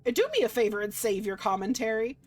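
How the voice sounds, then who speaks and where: A woman's voice: on the high side, big pitch swings, fast talker. A woman voicing a cold, aloof god in a visual novel, speaking in a curt and imperious way. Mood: dismissive. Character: cold, commanding, aloof young god of Limbo.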